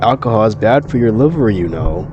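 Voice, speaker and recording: A man voicing a female eldritch deity who speaks slowly and condescendingly, soothing yet menacing. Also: fairly low pitch, expressive, dull audio, noisy background, close to an everyday voice. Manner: slow, courtly, condescending.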